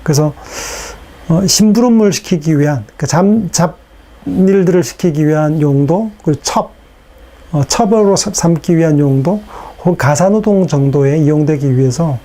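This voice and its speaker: A man giving a recorded lecture in a casual, unhurried way, with fillers and rhetorical questions, his voice strained from hours of recording. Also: on the high side, warm tone.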